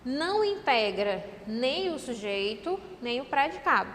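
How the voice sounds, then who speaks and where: A woman's voice: high-pitched, sing-song, unhurried, a bit bright, big-room sound, slight background noise. A Brazilian woman teaching an online class, explaining step by step and checking in with her students as she goes. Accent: Brazilian Portuguese.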